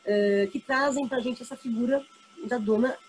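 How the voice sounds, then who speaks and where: A woman's voice: a little high, a little hiss or hum, poor audio. A woman teacher with a Brazilian accent, explaining poems in an exam review and checking in with her students. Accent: Brazilian Portuguese. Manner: explanatory, checks in often with tag questions; reads poetry aloud slowly.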